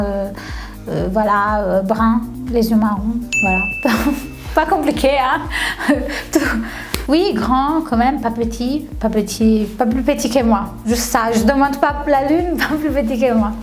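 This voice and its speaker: A woman's voice: on the high side, fairly even intonation, a little slow. A young woman from Tunisia chatting casually in an interview, often laughing and repeating her words. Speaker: reality TV contestant. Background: faint background music.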